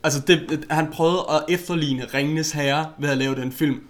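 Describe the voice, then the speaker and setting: A man's voice: a little high, steady tone. A man co-hosting a casual film-review podcast, talking bluntly and crudely with lots of fillers and restarts. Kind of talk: casual chat.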